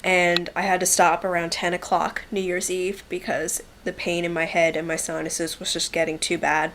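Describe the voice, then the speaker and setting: Her voice is lowish and fairly flat, moving at a moderate pace against slight background noise. This young woman, a naturally shy beauty vlogger, talks to the camera while stuffed up from a cold, rambling chattily with many likes and ums.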